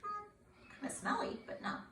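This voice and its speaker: A woman reading a children's picture book aloud in a playful, expressive way, asking her young listeners questions. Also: moderate pace, echoey room, distant mic, a little hiss or hum.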